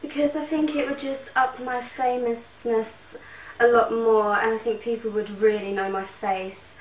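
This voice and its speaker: An actress playing a vain, dim nineteen-year-old actress hungry for fame, who rambles in a ditzy, self-absorbed way. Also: female voice, on the high side, steady tone, unhurried, a little hiss or hum, lightly acted. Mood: airheaded. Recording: echoey room, mic far off.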